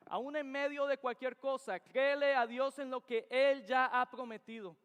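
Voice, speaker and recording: A man's voice: extremely high pitch, a bit bright, clear, resonant tone. A young man preaches. He speaks in earnest, emphatic bursts and keeps circling back to his key phrases. The sound carries the long reverb of a church sanctuary. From Venezuela. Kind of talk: sermon.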